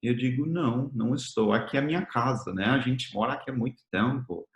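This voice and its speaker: A man's voice: mid-range voice, quick pace. A man from the United States with an American accent, preaching a conversational sermon as a missionary in a language that is not his first, often ending his phrases with a tag question. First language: English. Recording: roomy echo.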